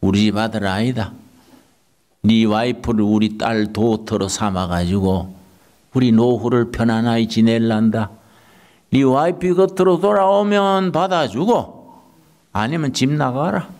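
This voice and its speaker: A man's voice: mid-range voice, unhurried, a little mellow, close to an everyday voice. A man playing a doting old mother-in-law. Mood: stern. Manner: mixes in English words. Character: elderly American mother-in-law, tender and approving.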